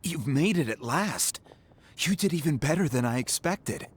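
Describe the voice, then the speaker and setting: An actor playing a dignified but anxious tribal chief in a video game, speaking earnestly and formally. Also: male voice, on the high side, animated, moderate pace, breathy edge. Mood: solemn.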